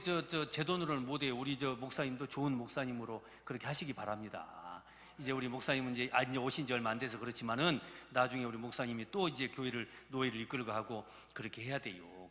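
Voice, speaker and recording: In a church sanctuary with reverberant acoustics, a pastor in his fifties from Gurye, South Jeolla, Korea, preaches folksily and jokingly in a Jeolla accent. His medium-pitched voice sounds bright and forceful.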